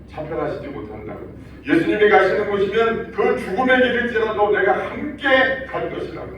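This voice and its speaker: A pastor delivering a lively sermon, telling the story vividly and often asking the congregation questions. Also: male voice, high-pitched, a little hiss or hum. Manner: lively storytelling, acts out quoted lines, asks the congregation. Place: church sanctuary. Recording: echoey hall, distant dull mic.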